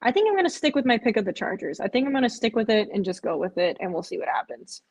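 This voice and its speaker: A woman's voice: fairly high pitch, very animated, fast, a little mellow, slightly rough, rough recording. A woman hosting a live stream, chatting casually with viewers, sounding tired and rambling. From Chicago area. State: drowsy, yawning.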